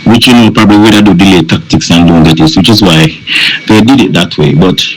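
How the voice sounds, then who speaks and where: Deep-voiced man, noisy voice note. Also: fairly quick. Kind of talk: political discussion.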